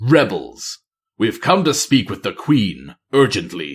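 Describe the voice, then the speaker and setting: In a very clean recording with a silent background, a man does a growling, put-on character voice at medium pitch and a fairly slow pace. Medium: read story.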